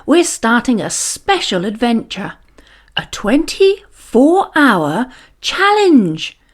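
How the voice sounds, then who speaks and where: A woman plays an encouraging female primary school teacher from a children's storybook. She is cheerful and emphatic, with a high, very animated voice and slow, drawn-out words. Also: heavily acted. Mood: excited, encouraging.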